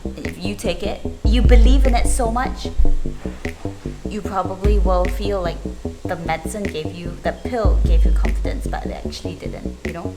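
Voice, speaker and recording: Over background music, a woman hosting a vlog narrates a casual explanatory video in an informal, chatty way, often posing rhetorical questions. Her medium-pitched voice is expressive and moderately paced.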